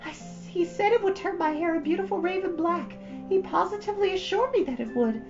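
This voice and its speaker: Very high, melodramatic young girl. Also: expressive, a little fast, highs cut off, music in the background. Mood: dejected, protesting.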